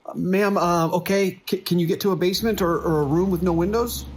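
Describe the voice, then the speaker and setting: A worried, stammering trucker. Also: male voice, sits high, fairly quick, a little hiss or hum. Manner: stammering, hesitant, earnest. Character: worried male trucker, desperate pleading family man. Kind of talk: horror radio drama acting.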